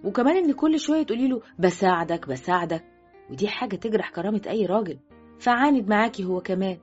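A woman's voice: high-pitched, sing-song, very fast, warm tone, breathy edge, faint music behind, voice pushed up, exaggerated voice. A woman voicing a worried, scolding middle-aged mother in Egyptian Arabic for an audiobook. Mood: calm advising. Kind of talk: audiobook character voice. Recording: dull, lo-fi audio.

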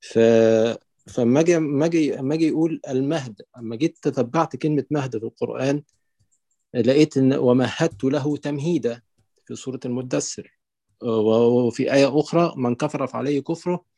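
A man with an Egyptian accent calling in to an online lecture, setting out his view slowly through many fillers and restarts. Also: medium pitch, a little mellow, no echo. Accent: Egyptian Arabic. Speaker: caller. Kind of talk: call-in question on an online lecture.

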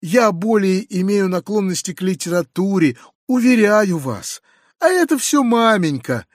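A man's voice: sits high, animated, unhurried, no echo, studio quality, pitched above the performer's own voice. A man reading an audiobook, voicing a weak, ingratiating young nobleman pleading for friendship.

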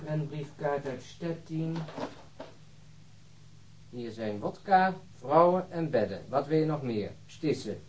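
A man's voice: a little high, lively intonation, slow pace, long pauses, a little mellow, slight background noise. An actor in a radio drama playing a wry, uneasy policeman with a dry, sardonic, muttering manner. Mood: dryly mocking. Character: wry, uneasy policeman searching a flat, Lennart. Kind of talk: naturalistic radio drama acting.

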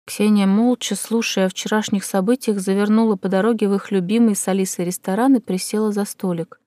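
Expressive woman narrating an audiobook, dry sound. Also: mid-range voice, dry recording. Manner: measured, expressive reading. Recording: dry close recording.

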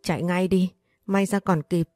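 Woman reading as a frail protective old grandmother, low voice, mellow, pleading and reproachful, storybook. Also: fairly even intonation, normal speed, dry recording, studio quality, soft background music, natural voice. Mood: desperate.

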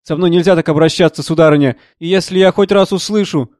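A man's voice: a little high, fast, darkish tone, no echo, clean studio sound, natural voice. A man voicing a rude, domineering middle-aged financier who talks down to everyone with scornful contempt. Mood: contemptuous. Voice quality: sneering, scornful.

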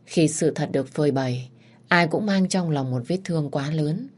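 A woman narrating a dramatic story in the first person, measured and steady. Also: low voice.

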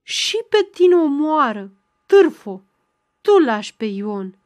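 A woman voicing a crippled old village woman who stammers, croaks and shouts in a frantic way. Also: high-pitched, very animated, no room sound, voice pushed up. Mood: frantic shrieking.

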